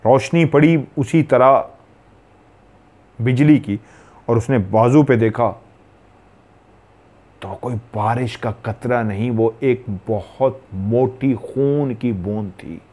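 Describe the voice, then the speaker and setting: A man's voice: medium pitch, takes it slowly, long pauses, darkish tone. Male storyteller from Pakistan, suspenseful horror narration. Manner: dramatic, suspenseful.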